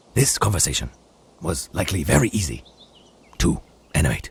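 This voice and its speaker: A man puts on a character voice with a very deep, low pitch. He speaks at a fairly quick pace with very wide pitch swings. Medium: machinima. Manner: terse, clipped.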